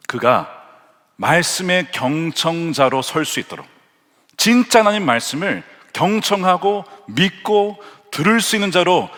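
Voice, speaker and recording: A man's voice: mid-range voice, sharp tone. A male pastor preaching a sermon earnestly, with rhetorical questions to the congregation. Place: church sanctuary. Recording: long church hall reverb.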